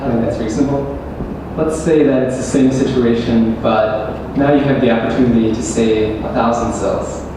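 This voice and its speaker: A man's voice: mid-range voice, fairly even intonation, moderate pace, hardly any pauses. A young man debating as a student, pressing his opponent with a thought experiment and insisting on direct answers. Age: young adult. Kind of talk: live debate questioning. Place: large echoey university hall. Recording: echoey hall, distant mic, room noise.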